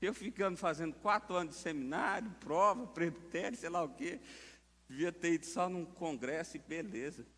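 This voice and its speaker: A man with a Brazilian accent preaches a sermon, chatting with the congregation through rhetorical questions. His voice sits fairly high and jumps up to stress key points. A long church reverb trails behind every phrase. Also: moderate pace, fairly bright tone. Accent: Brazilian Portuguese. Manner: conversational preaching with rhetorical questions and sudden emphatic rises. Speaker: pastor. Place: church sanctuary.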